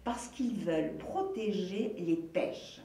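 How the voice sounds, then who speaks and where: Older lady putting on a bubbly singsong storybook friend, higher voice, echoey room, mic far off. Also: lively intonation, takes it slowly, warm tone. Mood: playful. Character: cheerful playful woman friend, garden cook. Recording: roomy echo, distant mic.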